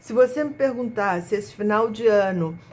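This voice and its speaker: At a moderate pace, a woman with medium pitch and ordinary pitch variation speaks in an unremarkable speaking voice. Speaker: astrologer. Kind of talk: video monologue, astrology forecast.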